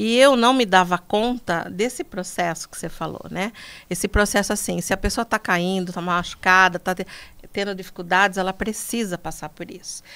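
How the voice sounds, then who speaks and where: A woman speaks at a moderate pace and medium pitch, her tone bright and sharp with ordinary pitch variation. Her loudness swings widely, and the recording is very clean with a silent background. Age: 60s. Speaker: speaker, mentor and therapist. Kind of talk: podcast interview.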